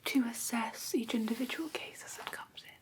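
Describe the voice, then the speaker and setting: A woman playing a gentle, prim vampire teacher in whispered ASMR roleplay, breathy and careful, close to the microphone. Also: fairly high pitch, fairly quick, close to an everyday voice. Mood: gentle, instructive. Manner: soft, careful, instructive, politely formal. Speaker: ASMR performer.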